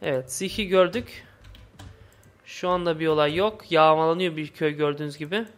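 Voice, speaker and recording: A man giving casual let's play commentary in halting, imperfect Turkish with muddled word forms. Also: a little high, steady tone. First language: not Turkish, speaks imperfect Turkish. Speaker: gaming video host.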